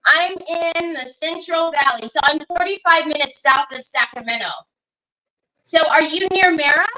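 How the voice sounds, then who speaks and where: A woman's voice: high-pitched, moderate pace, pushed and bright, low-quality recording. A woman hosting a casual craft livestream, chatting along and greeting viewers by name as she works. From Northern California. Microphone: computer mic on a livestream.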